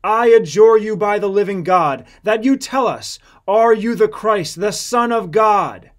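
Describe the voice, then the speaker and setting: A man voicing a commanding, indignant high priest in a scripture audiobook, declaiming forcefully. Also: a little slow. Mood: stern, demanding. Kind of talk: dramatized scripture audiobook reading.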